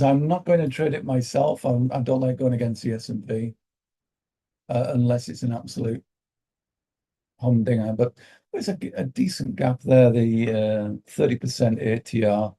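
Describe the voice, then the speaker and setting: Croaky British male trading host, very dark and husky, muses aloud with many fillers. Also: medium pitch. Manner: thinking aloud, halting with fillers. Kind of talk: live trading commentary.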